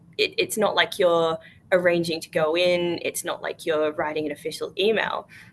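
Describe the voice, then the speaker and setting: Monotone, flat intonation in an Australian accent at a moderate pace. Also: woman, fairly low pitch for a woman. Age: 20s. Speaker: politician. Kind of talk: interview.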